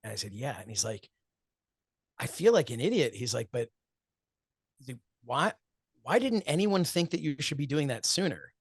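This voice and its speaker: Man, 40s, gravelly voice, dry close mic; reflective interview guest, storyteller, laughs easily. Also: mid-range voice, big pitch swings, normal speed, long pauses, dry recording. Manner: earnest, storytelling, acts out quoted friends, laughs often. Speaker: wrestling commentator and show host, interview guest.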